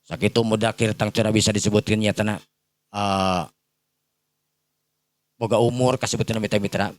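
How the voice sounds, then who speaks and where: Male Sundanese storyteller, low-pitched and dry-recorded, improvising a rambling folk tale for listeners. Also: flat delivery, normal speed, dry recording. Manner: rambling, repetitive filler phrases.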